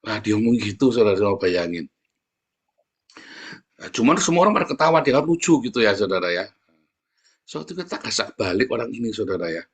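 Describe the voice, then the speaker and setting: A man's voice: brisk, long pauses, slightly rough. A man from Indonesia with a Javanese Tegal accent, preaching a sermon in a chatty storytelling way. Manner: animated storytelling, jumps up into high mimicking voices.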